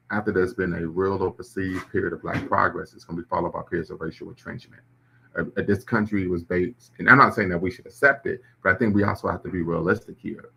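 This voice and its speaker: A man's voice: low voice, creaky, sharp tone, a little hiss or hum, poor audio. A man hosting a live stream, reacting to clips and chat comments in a conversational way. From Ohio, US. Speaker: host.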